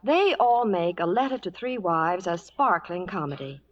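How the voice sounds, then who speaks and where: A woman's voice: lowish voice, lively intonation, moderate pace. A woman Hollywood reporter delivering scripted chat and soap promotion in 1940s radio style. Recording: muffled vintage radio recording.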